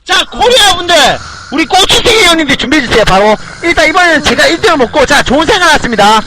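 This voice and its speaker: A man streaming a racing game live, excitably barking orders and curses at his teammates. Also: very high voice, fast talker, background noise. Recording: loud game music behind voice. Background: racing game music and engine sounds.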